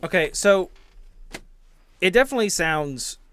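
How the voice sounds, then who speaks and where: A man's voice: high-pitched, animated, measured pace, a bit bright, smooth. A man narrating a tabletop game as game master, improvising in a casual, hesitant way.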